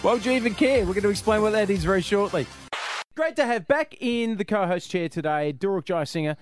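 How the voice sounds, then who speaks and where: A man's voice: high-pitched, expressive, brisk, over music. An Australian man hosting a radio show with casual, irreverent comedy banter and a jokey, rambling way of talking.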